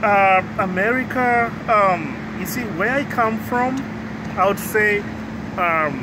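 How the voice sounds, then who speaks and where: A man's voice: sits high, slow pace, very noisy. A man in his thirties from Uganda, a guest in a casual interview, who speaks hesitantly with many ums and restarts. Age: 30s.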